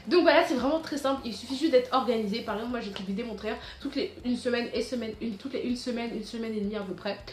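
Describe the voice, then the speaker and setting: A teenage girl runs through school-supply tips in quick, rambling chatter, often restarting her sentences. Her voice sits a little high. The room around her echoes. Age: teens. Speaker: vlogger. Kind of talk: casual back-to-school tips vlog.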